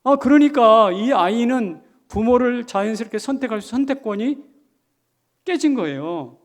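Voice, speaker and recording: Man, senior pastor, sermon, emphatic, rhetorical questions, high-pitched voice. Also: expressive, normal speed. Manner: emphatic, asks the congregation questions. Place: church sanctuary.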